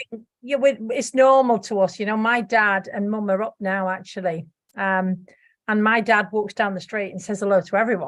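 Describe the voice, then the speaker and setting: A woman speaks with a Welsh accent at a moderate pace. Her pitch sits in the middle range and her intonation stays fairly even. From Wales. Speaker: webinar participant. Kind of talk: casual chat.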